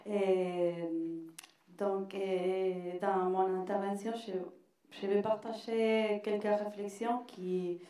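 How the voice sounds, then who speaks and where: A woman from Argentina with a strong Spanish accent, speaking haltingly with restarts as a researcher on a panel in a large hall. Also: mid-range voice, flat delivery, dark tone. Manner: hesitant, many restarts and fillers. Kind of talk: academic panel talk. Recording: echoey hall from far off.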